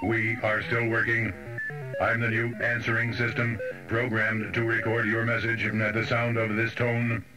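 A man voicing a dutiful office computer in a robotic monotone answering greeting. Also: medium pitch, unhurried. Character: droning male office computer, dutiful and tireless. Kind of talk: scripted answering machine greeting. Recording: distant old tape with music.

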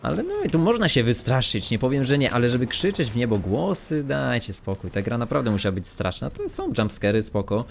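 A man's voice: mid-range voice, very animated, brisk, vocal fry, hardly any pauses. A man commentating live on a horror game he is playing, muttering and swearing to himself and his viewers. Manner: muttering, swearing, self-talk. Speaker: streamer. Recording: noisy game stream audio.

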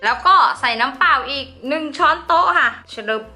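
Bubbly high-voiced woman hosting a craft tutorial. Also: animated, a little fast, sharp tone, soft background music. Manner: bubbly, polite, talks straight to viewers. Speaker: slime-making channel host.

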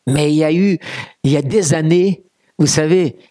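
A man preaching a sermon as pastor, animated and emphatic, repeating key words and slowing down on stressed phrases. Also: on the high side.

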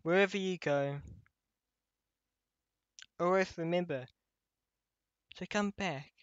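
A man playing a gentle, nostalgic childhood teddy bear in an ASMR roleplay, speaking tenderly and wistfully with frequent pauses. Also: high-pitched, no room sound, dull audio. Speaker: voice actor. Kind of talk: ASMR roleplay addressed to listener.

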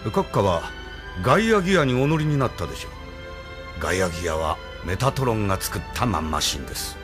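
An actor playing a loyal rebel admiral who speaks politely and proudly in a radio drama. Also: male voice, on the low side. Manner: polite, deferential yet proud. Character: loyal middle-aged male rebel admiral, earnest.

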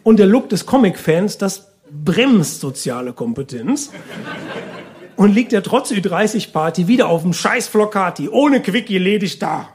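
A man's voice: high voice, expressive, a little slow, darkish tone, slightly rough. A male comedian performing a live monologue in a wry, colloquial and theatrical way. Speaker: stand-up comedian and slam poet. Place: live stage before an audience. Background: audience laughter.

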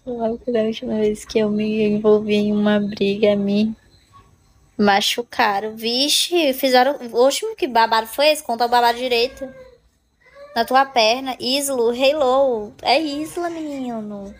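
A woman's voice: a little high, a little slow. A young woman hosting a casual live stream, chatting playfully with viewers and laughing often. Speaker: livestream host.

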